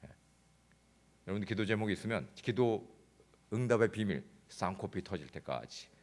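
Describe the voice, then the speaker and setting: A man preaching a sermon as pastor, telling a comic story that swings between loud outbursts and hushed, intense passages. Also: fairly low pitch, lively intonation, normal speed. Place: church sanctuary.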